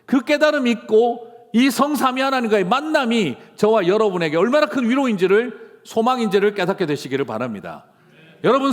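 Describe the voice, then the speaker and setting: A man's voice: high-pitched, long reverb tail. A male pastor delivering an impassioned sermon with rising emphatic phrases. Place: church sanctuary.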